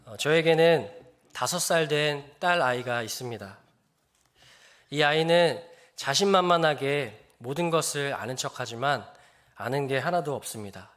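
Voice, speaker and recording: A man in his thirties, a guest pastor preaching a sermon in a church, telling homely stories in a gentle, unhurried way. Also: fairly high pitch, lively intonation. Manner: slow solemn scripture reading, then gentle storytelling.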